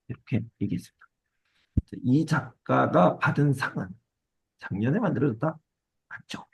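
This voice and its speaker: Husky gravelly male teacher. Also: mid-range voice, a little mellow, dry recording, low-quality recording. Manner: explains step by step, repeats key words, asks check questions. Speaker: Korean language teacher. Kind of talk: exam prep lesson.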